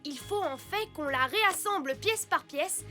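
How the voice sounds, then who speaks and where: A woman's voice: very high voice, lively intonation, moderate pace, loud music behind the voice. A woman voicing a brave little alien boy hero who commands his robot team earnestly in a French cartoon. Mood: confident, commanding.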